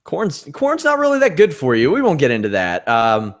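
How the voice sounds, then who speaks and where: A man's voice: a little high, wildly swooping pitch, moderate pace. A man with a nasal voice co-hosting a casual wrestling podcast, given to dry, sarcastic asides. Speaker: podcast co-host.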